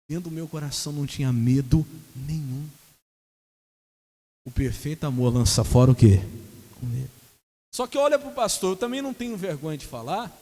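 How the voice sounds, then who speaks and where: A man from Brazil preaching a sermon as pastor, telling a story with acted dialogue that swings between loud and soft. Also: a little high. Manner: storytelling with acted dialogue, voice rising and falling sharply. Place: church. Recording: reverberant church hall with faint hiss.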